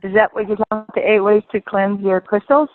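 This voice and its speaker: A woman's voice: mid-range voice, level tone, fast, dry recording, soft background music. Hesitant woman on a tinny phone line. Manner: hesitant, searching for words. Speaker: course participant. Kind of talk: casual group conference call.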